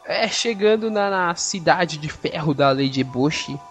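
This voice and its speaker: A man's voice: a little high, lively intonation, a little slow, faint music behind. A man with a Brazilian accent hosting a casual film podcast, rambling with many restarts and jokes. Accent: Brazilian Portuguese. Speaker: podcast host and editor.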